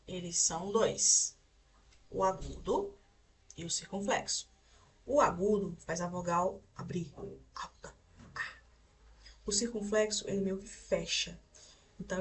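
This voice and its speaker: A woman's voice: medium pitch, far from the mic, a little hiss or hum. Brazilian woman teaching a grammar lesson. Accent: Brazilian Portuguese. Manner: explains step by step, checks in with "certo?" and "tá?". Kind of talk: recorded online grammar lesson.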